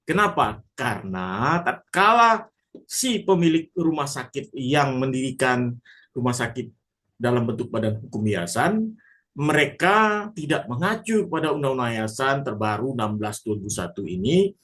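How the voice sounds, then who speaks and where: A man lecturing on legal rules to an audience, explaining step by step, often pausing on a filler and restarting phrases. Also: on the high side, fairly bright tone. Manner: addresses audience formally. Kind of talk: spoken lecture.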